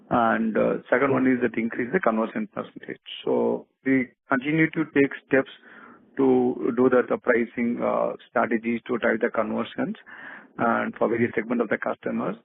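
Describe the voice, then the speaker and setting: Indian guy exec on a conference call, raspy creaky voice, keeps restarting, thin phone sound. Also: medium pitch, no room sound. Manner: halting, repetitive, hedging with restarts. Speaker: company executive answering questions. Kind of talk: unscripted earnings call answers. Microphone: telephone conference call. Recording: narrow muffled phone conference line.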